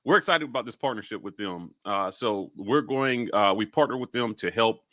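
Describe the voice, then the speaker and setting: A man with a bright, forceful voice co-hosts a casual sports show. He is chatty and enthusiastic, and the sound is close and dry. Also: on the low side, animated, moderate pace, no echo. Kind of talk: casual sponsor read and banter.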